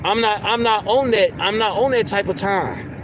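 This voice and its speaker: A man with a soft, squeaky voice ranting heatedly on a livestream, swearing a lot and stumbling over repeated words. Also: moderate pace, noisy background. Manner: heated, profane, repeats words when worked up. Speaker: livestream host. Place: in a car.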